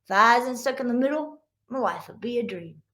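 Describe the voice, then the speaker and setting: A woman's voice: on the high side, lively intonation, a little fast, bright, forceful tone. A woman voicing a jealous, put-upon male middle-child dog in a children's storybook read-aloud. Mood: aggrieved.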